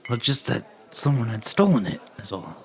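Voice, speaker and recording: Man doing a creaky, folksy tavern keeper. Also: mid-range voice, very animated, normal speed. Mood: reluctant. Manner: folksy archaic speech, stammering. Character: folksy male innkeeper, grateful, given to dramatics. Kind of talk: amateur comic fantasy skit.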